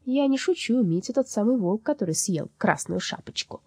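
A scheming black soul with a sugary, sly tongue, as a woman reading a storybook puts her on. Her voice rises high and swings about in a close, dry recording with a husky edge. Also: sing-song, a little fast, mellow, dry recording. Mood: falsely sweet. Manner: falsely sweet, slanderous, sly. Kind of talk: storybook character voice.

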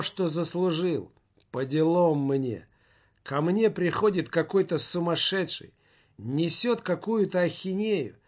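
Man reading a whining scared director, plaintive, moaning, raised pitch, slow. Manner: whining, moaning, self-pitying. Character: whiny frightened male film festival director.

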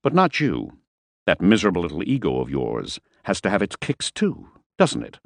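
A man's voice: low voice, huge pitch swings, moderate pace, dry recording, studio quality, exaggerated voice. A man reading aloud and voicing a menacing, sarcastic male crime boss, with curt and bullying speech.

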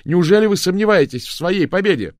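A male narrator voicing a young girl who calls out sharp warnings over a crowd. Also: on the high side, animated, normal speed, no echo, studio quality, pitched above the performer's own voice. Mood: challenging.

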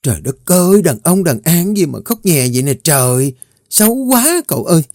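A man's voice: big pitch swings, a little fast, darkish tone, dry recording, studio quality. A man voicing a playful, teasing young maid in a spoken story, in a raised, bubbly voice. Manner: high, bubbly, scolding teasing.

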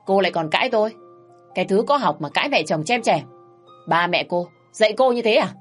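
A woman's voice: animated, brisk, slightly rough. A woman voicing a harsh, scolding older mother-in-law who nags shrilly, over faint music. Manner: shrill, nagging, raising her voice.

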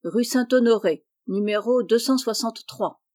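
A woman reading the part of a hurried male train conductor who gives brisk orders. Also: fairly high pitch, a little mellow, lightly acted. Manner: brisk, commanding.

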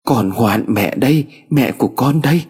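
A man's voice: mid-range voice, expressive, normal speed, darkish tone, slightly rough, pitched above the performer's own voice. A man voicing an anxious middle-aged mother who soothes her frightened daughter. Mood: soothing. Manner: soothing, worried.

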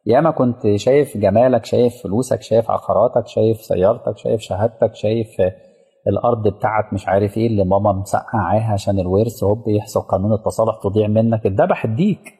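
A man's voice: fairly low pitch, quick pace, dark tone, slightly rough. A man with an Egyptian accent giving a casual religious lecture, telling stories and checking that the audience is following. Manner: engaging, asks the audience rhetorical questions. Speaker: preacher. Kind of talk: colloquial religious lecture with storytelling. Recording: reverberant hall sound.

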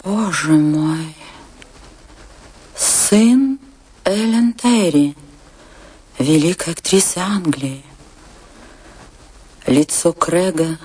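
A woman's voice: lowish voice, a little mellow, husky. An actress playing a dreamy, proud, passionate woman dancer recalling her life in a poetic, theatrical radio monologue. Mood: enraptured. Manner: dramatic, poetic, deliberate delivery with long pauses.

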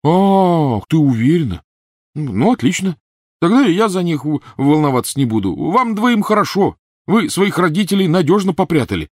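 A man's voice: fairly high pitch, big pitch swings, moderate pace, no echo, studio quality, voice pushed up. Ron, a man voicing a furious teenage boy. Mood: angry. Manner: shouting, resentful, sarcastic. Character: angry bitter teenage boy wizard.

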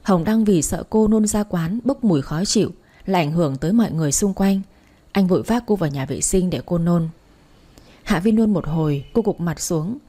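A woman narrating a romance story in a steady, even way. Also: fairly low pitch, normal speed.

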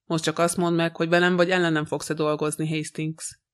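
A man voicing a shrewd, calm older male detective in an audiobook, gently teasing. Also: a little high, smooth, lightly acted.

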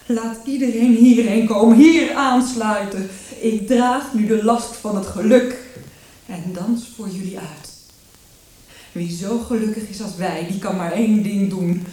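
Actress as tragic king's daughter, grief-stricken, declamatory, very slow, distant from the mic, radio drama. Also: mid-range voice, dark tone, close to an everyday voice. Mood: exalted, commanding. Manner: solemn, declamatory. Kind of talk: classical tragedy radio drama acting. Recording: echoey hall, distant microphone.

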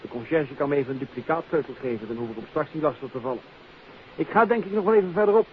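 A man's voice: a little high, animated, racing, close to an everyday voice. A man playing a jovial, chatty former army captain and small trader in a genial, colloquial 1950s Dutch radio drama style. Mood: breezy, confiding. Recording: noisy, tinny 1950s radio recording.

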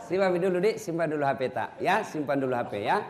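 A man's voice: on the high side, quick pace, very noisy. A middle-aged man, preaching a humorous sermon to a mosque gathering and teasing his listeners. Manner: joking, lively, teasing the audience.

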